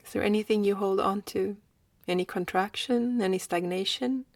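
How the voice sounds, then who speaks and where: A woman leading a guided meditation in a slow, gentle manner with long pauses. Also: medium pitch, no room sound.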